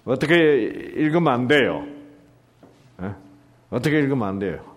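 A man's voice: medium pitch, animated, normal speed. A man teaching a Bible passage as a sermon, often asking and answering his own questions, with sudden drops into whispers. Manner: rhetorical questions and answers, swings from loud to whispered. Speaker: pastor.

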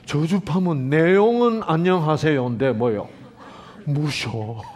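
A man's voice: fairly high pitch, unhurried. A middle-aged male pastor preaching a sermon, explaining ideas and asking the congregation questions. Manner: animated, asks the congregation rhetorical questions.

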